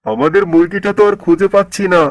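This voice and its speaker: Cartoon farmer dad, played by a man: high male voice, mild, questioning, dry recording. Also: steady tone, brisk, gravelly, dry recording. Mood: worried, puzzled. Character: mild village farmer father, easily puzzled. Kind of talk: children's moral cartoon voice acting.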